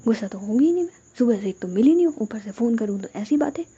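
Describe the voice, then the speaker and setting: A woman's voice: fairly high pitch, lively intonation, quick pace, dark tone, muffled recording, a little hiss or hum, natural voice. A woman voicing a playful young woman in love, with a dramatic, sulky way of talking.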